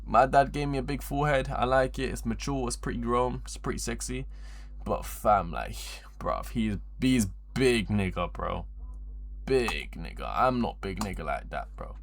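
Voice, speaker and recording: A man's voice: mid-range voice, normal speed, creaky, slight background noise. A twenty-year-old man chatting casually on a livestream in a rambling, slangy, repetitive way, with frequent swearing. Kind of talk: casual livestream chat to viewers.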